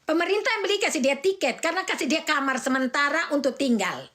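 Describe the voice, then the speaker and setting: A woman's voice: high voice, lively intonation, fast talker, fairly bright tone. A middle-aged woman from Indonesia, a mother scolding and ranting angrily and repetitively on a livestream. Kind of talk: heated livestream rant.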